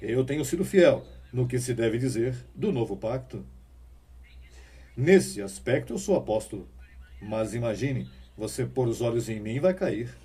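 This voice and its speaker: Male preacher, dark husky voice, emphatic sermon delivery, mic a little distant. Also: medium pitch, lively intonation, measured pace. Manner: emphatic preaching, rising bursts and rhetorical questions.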